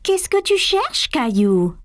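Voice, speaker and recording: A woman playing a patient young mother in a dubbed cartoon, speaking gently and encouragingly. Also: high voice, very animated, takes it slowly, full character voice. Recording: cartoon soundtrack with music beneath.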